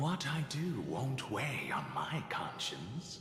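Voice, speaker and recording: Over loud music with clear echo, a man in a put-on character voice speaks very slowly at a fairly high pitch. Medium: virtual streamer.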